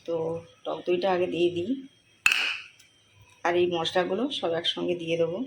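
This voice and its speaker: A woman chatting casually as she cooks in her home kitchen, explaining each step and keeping her voice soft. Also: on the low side, flat delivery, moderate pace, heavy background noise. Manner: chatty, explains each step, talks softly while cooking. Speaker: vlogger cooking at home. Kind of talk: casual cooking vlog narration.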